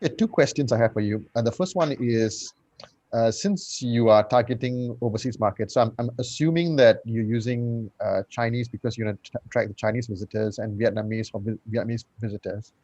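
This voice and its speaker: A man's voice: medium pitch, brisk, darkish tone, dry recording. A man judging a competition, asking contestants probing questions over a video call. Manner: probing, conversational. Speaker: competition judge. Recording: dull dry lo-fi call audio.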